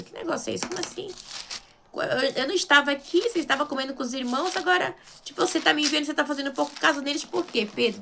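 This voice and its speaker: A woman's voice: a little high, gravelly, fairly bright tone, slight background noise. A woman with a Brazilian Portuguese accent preaching informally as a missionary, conversational and emphatic, often asking rhetorical questions and checking in with her listeners. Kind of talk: informal Bible sermon.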